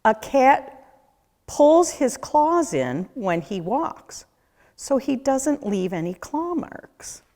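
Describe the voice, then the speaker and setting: A woman reading a children's picture book aloud as a nature educator, with a deliberate, questioning storyteller delivery. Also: high voice, sing-song, dark tone. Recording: echoey room with long reverb.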